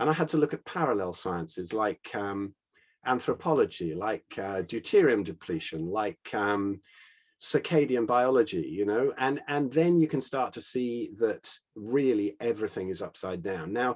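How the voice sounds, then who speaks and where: The speech moves at a moderate pace with lively intonation against a quiet background. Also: man, medium pitch for a man. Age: 60s. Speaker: drummer and health writer. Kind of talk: debate. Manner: halting.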